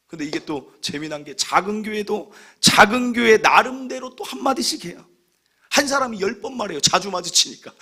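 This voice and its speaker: A man in his thirties preaches a sermon as a pastor, voice pitched high and swinging widely as he tells humorous stories. He acts out the remarks of others along the way. His tone is bright and sharp, with a husky edge. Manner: animated, humorous storytelling.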